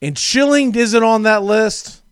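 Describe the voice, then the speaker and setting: A man hosting a casual sports talk show, animated and jokey, laughing often as he talks. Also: sits high, unhurried, clean tone, dry recording.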